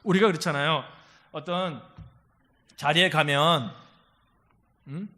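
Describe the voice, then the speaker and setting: A man pastor delivers a lively sermon in a church. His voice sits high and rings bright and forceful. He acts out the voices he quotes and keeps calling out hallelujah. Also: takes it slowly. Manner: animated preaching, acting out quoted voices, frequent hallelujahs. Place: church sanctuary.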